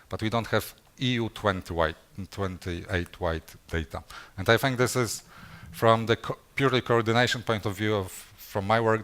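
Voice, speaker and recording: A man's voice: deep voice, fairly bright tone, clean tone. A man speaking at a conference, answering audience questions in a hesitant way with many fillers and restarts. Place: conference session room.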